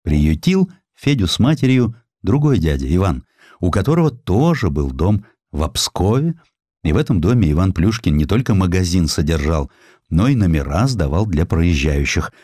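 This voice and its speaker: Deep-voiced, animated male storyteller. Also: moderate pace, no room sound, clean studio sound. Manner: theatrical, expressive storytelling. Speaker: audiobook narrator. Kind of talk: dramatized scripted narration of a historical sketch.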